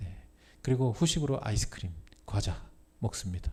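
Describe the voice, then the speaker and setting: Soft-spoken and somewhat breathy, a man with a dark, mellow tone speaks at medium pitch and a moderate pace. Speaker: health lecturer. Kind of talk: lecture. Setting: church.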